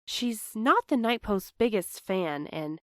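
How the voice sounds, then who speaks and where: A woman playing an anxious, apologetic young postal worker in a fiction podcast, earnest and halting in her delivery. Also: mid-range voice, expressive, no echo, studio quality. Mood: anxious, defensive. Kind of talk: fiction podcast audio drama acting.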